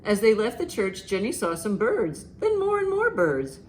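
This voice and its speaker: A woman hosting a children's storytime, reading aloud and reciting rhymes with expressive, deliberate emphasis. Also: medium pitch, slight background noise, low-quality recording. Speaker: library storytime host.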